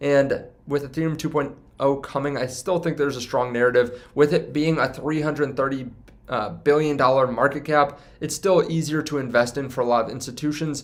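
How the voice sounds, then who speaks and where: A man mumbles at a fairly quick pace with a fairly high pitch. His intonation stays fairly even. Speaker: crypto YouTuber. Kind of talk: casual investment commentary to camera. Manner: unedited, slightly mumbling.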